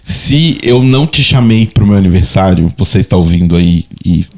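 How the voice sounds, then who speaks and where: A man's voice: sits low, animated, moderate pace, a little mellow. A man in his thirties with a Brazilian accent, co-hosting a podcast in casual chat, reflective and hesitant, often repeating words as he searches for them. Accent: Brazilian Portuguese. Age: 30s. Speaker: podcast co-host.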